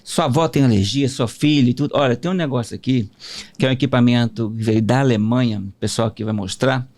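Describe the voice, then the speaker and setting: A man's voice: medium pitch, quick pace, a little mellow. A man co-hosting a podcast, hyping a product with playful salesman banter. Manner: jokey, salesman-like hype. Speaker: podcast co-host.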